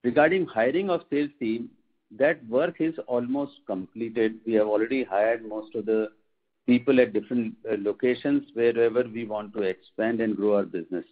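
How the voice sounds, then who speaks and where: A man with an Indian accent, a company executive answering questions on an earnings conference call in a measured, formal, explanatory way. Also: mid-range voice. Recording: muffled tinny phone line.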